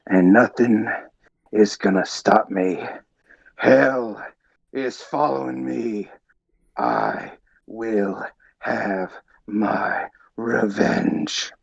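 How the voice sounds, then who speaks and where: A man doing a gravelly, whispering vengeful wrestler. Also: lowish voice, big pitch swings, heavily acted. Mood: menacing. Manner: slow, threatening delivery. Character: vengeful male wrestler, menacing and cold. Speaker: caller. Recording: dull lo-fi phone line.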